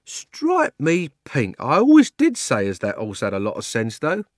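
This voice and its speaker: A man's voice: medium pitch, sing-song, fairly quick, a bit bright, dry recording, pitched above the performer's own voice. A plain-spoken cabby talks in a blunt, homely way, as a man reads him. The storybook recording is dry and close. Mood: folksy. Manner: blunt, folksy. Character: rough, plain-spoken London cab driver.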